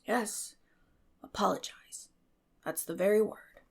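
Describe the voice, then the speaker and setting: A shy older farmer man, as a woman narrator plays him, very quiet and whispery. He is gentle and hesitant, coaxing kindly in a storybook reading. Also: medium pitch, slow pace, breathy edge. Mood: eager. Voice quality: hushed, whispery.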